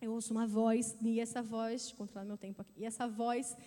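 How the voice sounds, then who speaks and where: A woman in her thirties giving a testimony in a sermon, telling her story in a lively way and speaking directly to the church. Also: a little high, fast talker. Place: church sanctuary. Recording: church hall reverb.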